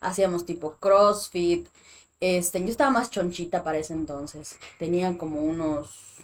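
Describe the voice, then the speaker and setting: A woman's voice: fairly low pitch, normal speed. Chatty Mexican woman telling stories. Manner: chatty, animated, many fillers like "este". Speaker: guest. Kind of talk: casual storytelling chat.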